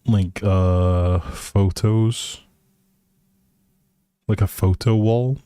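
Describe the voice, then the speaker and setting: A man's voice: lowish voice, steady tone, drawn-out words, mellow, smooth, no room sound. A man live streaming a game, chatting casually with viewers in a friendly, rambling way as he thinks aloud. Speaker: live streamer playing a life simulation game. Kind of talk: casual gameplay chat with viewers.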